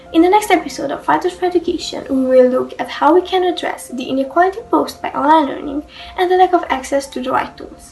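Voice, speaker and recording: A woman speaks at a very fast pace with hardly any pauses, over noticeable background noise. Her pitch is high, her intonation lively, and her loudness swings widely. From Romania. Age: young. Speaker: youth video presenter. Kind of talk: scripted narration.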